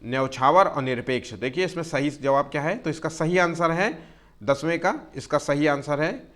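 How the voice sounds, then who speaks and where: Male grammar tutor, fairly high voice, habitual fillers, stretches words slowly to spell them out, keeps reminding students to take care. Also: a bit bright. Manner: tells students to take care and keeps checking "theek hai". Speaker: teacher. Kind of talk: exam-prep Hindi grammar lesson.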